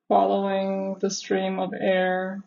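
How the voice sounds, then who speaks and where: A woman leading a guided meditation in a measured, instructional way, with long pauses between phrases. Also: mid-range voice, completely flat delivery, vocal fry, lo-fi sound. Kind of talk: guided meditation, live session.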